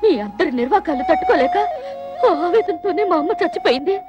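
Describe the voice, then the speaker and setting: A defiant, indignant wife. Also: female voice, very high-pitched, lively intonation, a little fast, highs cut off, loud music behind the voice. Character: defiant young wife refusing to work. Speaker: wife and daughter. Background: film score.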